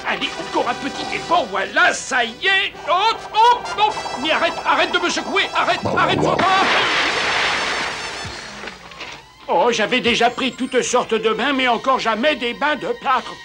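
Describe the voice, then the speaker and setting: Cartoon ghost, male: very high, swooping voice, scheming and exasperated, theatrical grumbling. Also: big pitch swings, normal speed, few pauses, music in the background. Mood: flustered. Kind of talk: French-dubbed cartoon acting.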